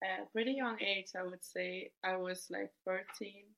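A woman in her twenties from Denmark, telling her story as a guest in a podcast interview, relaxed and thoughtful. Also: medium pitch, a little slow, gravelly. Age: 20s. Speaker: guest footballer.

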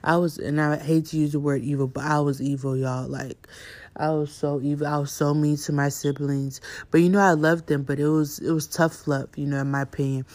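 Flat-toned young woman telling her story. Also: sits low, a little fast. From Houston, Texas, USA. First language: Yoruba. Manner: candid and chatty, many fillers like "you know". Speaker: podcast host. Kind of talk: personal storytelling.

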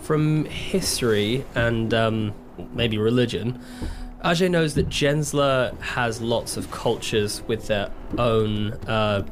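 A man's voice: lowish voice, background noise. A man playing a tabletop roleplaying game, thoughtfully talking through what his character knows and does. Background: music.

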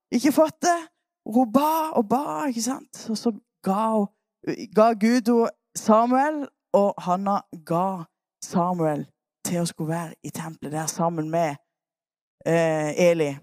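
A woman preacher retelling a Bible story in a lively sermon, coaxing her listeners to act out the parts. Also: mid-range voice, no room sound, studio quality.

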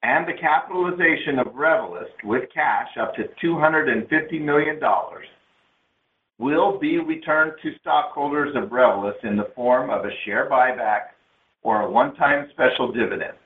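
A man's voice: mid-range voice, normal speed. Man on a tinny, echoey phone line. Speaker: company executive on an investor earnings call. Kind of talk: scripted corporate presentation, read aloud. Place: conference call line. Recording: narrow phone-line sound, roomy echo.

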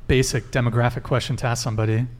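A man's voice: mid-range voice, little pitch movement, rapid-fire. A man hosting a casual dating podcast, asking direct, teasing questions of his guests. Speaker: podcast host. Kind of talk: casual panel chat.

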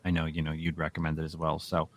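A man hosting a comic book podcast, telling a story in a casual, animated way. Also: extremely low pitch, quick pace, a crowd in the background. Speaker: podcast host. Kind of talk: casual chat.

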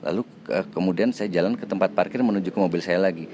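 This actor's low voice moves at a quick pace over a noisy background as he relaxes into an interview anecdote. He performs others' quoted dialogue in shifting voices, chatting with fillers and laughing at himself.

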